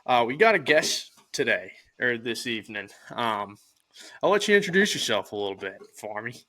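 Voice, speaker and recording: A man's voice: mid-range voice, sing-song, normal speed, sharp tone. A man hosting a podcast, laid-back and slangy, with a stuffed-up nose. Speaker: podcast host. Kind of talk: casual podcast chat.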